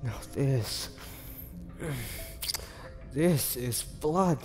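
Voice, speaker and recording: Man acting a slow, tormented vampire in echoing reverb. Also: mid-range voice, lively intonation, over music. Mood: ravenous, menacing. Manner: halting, breathy sighs, stammered pleas. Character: starving young male vampire, tormented, pleading, fighting bloodthirst. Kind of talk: dramatic audio roleplay monologue, slow and halting. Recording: long echoing reverb, faint background noise.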